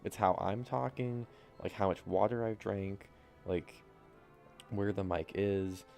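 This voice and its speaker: A young man streaming while he codes, talking casually into a desk mic, halting and soft-spoken with a slightly raspy voice. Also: fairly low pitch, steady tone, soft background music. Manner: halting, many restarts and fillers, soft-spoken. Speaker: streamer, software developer. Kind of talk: casual live coding chat. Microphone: desk microphone.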